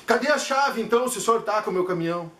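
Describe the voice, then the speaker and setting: A man's voice: high-pitched, lively intonation, rapid-fire, fairly bright tone, slight background noise, pitched above the performer's own voice. A man doing an earnest, confused male patient. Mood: insistent. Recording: echoey room.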